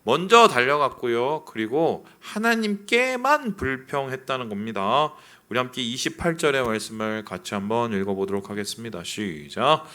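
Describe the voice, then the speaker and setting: Lively, bright-voiced male preacher. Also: medium pitch, normal speed, few pauses. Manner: animated preaching with rhetorical questions to the congregation; acts out quoted complaints in a raised voice. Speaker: pastor. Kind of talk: sermon. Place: church sanctuary.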